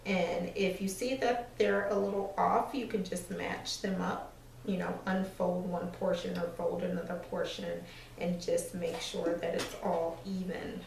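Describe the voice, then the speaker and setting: A woman in her thirties, slightly hoarse, giving a relaxed, chatty sewing tutorial while working at an ironing board in a small room. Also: lowish voice, unhurried, slight background noise. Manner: relaxed, chatty step-by-step explaining with fillers. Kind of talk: casual craft tutorial. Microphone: far camera. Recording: echoey room, mic far off.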